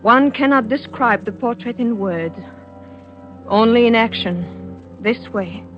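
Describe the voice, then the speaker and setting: An actress playing a weary, frightened wife in a 1940s radio drama, speaking in a tense, reluctant way. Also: female voice, fairly high pitch, takes it slowly, faint music behind. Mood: reading tense. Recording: dull old radio broadcast.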